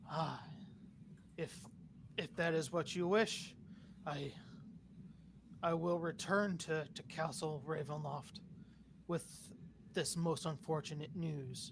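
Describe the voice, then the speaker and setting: The speaker uses a put-on character voice at a middle pitch and a fairly slow pace. Long, frequent pauses break up the speech, and background noise is clearly audible. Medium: actual play. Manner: stammering, formal.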